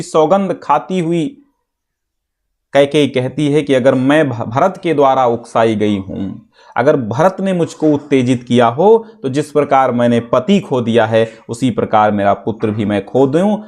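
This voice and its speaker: Male teacher, exam-prep lesson: slow delivery, reads verse deliberately, explains step by step, repeats key phrases. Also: on the high side. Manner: recites verses slowly, then explains line by line; often checks in with students, repeating phrases.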